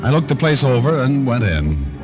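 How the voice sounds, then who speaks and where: An actor playing a wisecracking, hard-boiled private eye who also narrates, in a 1940s-style radio drama. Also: male voice, medium pitch, very animated, moderate pace, muffled recording, lightly acted. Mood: narrating. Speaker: private detective. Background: music score.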